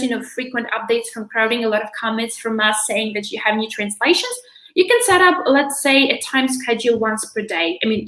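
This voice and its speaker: A young woman presenting a software demo on a video call, chatty and full of "you know" fillers. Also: a little high, echoey room, poor audio. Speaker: presenter from a localization company. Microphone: video call webcam.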